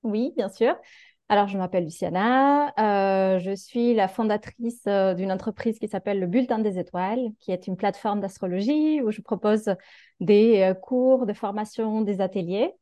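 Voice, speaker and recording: A woman in her thirties from Argentina speaks as a podcast guest, thinking aloud with many small hesitations. Her voice is mellow and warm, recorded dry and close with no room sound. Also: medium pitch, moderate pace, no echo. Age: 30s. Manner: reflective, hesitant with many fillers. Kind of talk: casual interview chat.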